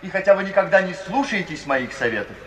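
Casting: gentle, courteous pleader, old radio theatre, high voice, faint noise. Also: male voice, expressive, fast talker. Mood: gently earnest. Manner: polite, pleading, deferential. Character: mild, courteous, kind-hearted gentleman, anxiously tactful. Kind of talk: 1950s Soviet radio theatre acting. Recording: old radio recording, long reverb, distant.

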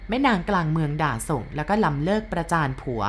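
A woman narrating a ghost story in an expressive storytelling manner. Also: low voice, fast, breathy edge.

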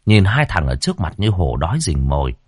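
A man narrating a ghost story in a vivid, lively way. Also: sits low, a little fast, breathy edge, dry recording, clean studio sound. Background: faint background music.

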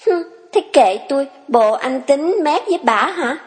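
Woman doing a pert young farm girl, sassy, a bit high, long reverb. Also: expressive, a little mellow. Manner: sassy, quick retorts.

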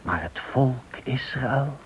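A man giving solemn, sermon-like scripted radio narration, emphatic and rhetorical with dramatic pauses. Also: mid-range voice, lively intonation. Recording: thin phone-like band, faint noise.

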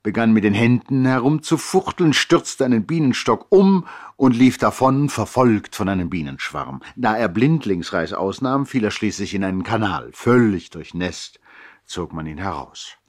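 Old-school radio drama narrator, low voice, nobleman telling his brother's story, expressive and deliberate. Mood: grave, narrating. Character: nobleman looking back on his brother's life. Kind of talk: literary scripted narration, 1960s radio play.

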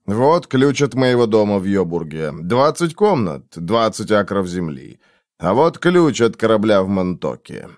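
A man's voice: on the low side, big pitch swings, measured pace, dry recording, clean studio sound. A male reader voicing a blunt, weary middle-aged man in an audiobook. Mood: coaxing.

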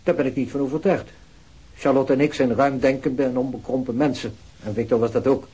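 A smug businessman with a dark, husky voice,. He talks formally and with quiet condescension. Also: mid-range voice, steady tone, brisk. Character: smug, self-assured male businessman. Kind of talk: radio play acting.

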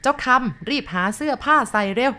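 A blunt, rough-spoken old village grandmother in a storybook reading, put on by a woman. The voice sits well above the reader's own low tone and comes out louder and sharper. She talks plainly and without softness. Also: expressive, normal speed, natural voice. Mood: hurried.

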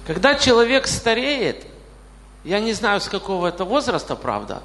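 A man's voice: sits high, very animated, moderate pace, fairly bright tone. A man in his late forties preaching a sermon in a church, often putting questions straight to the congregation. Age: 40s. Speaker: pastor. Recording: reverberant hall.

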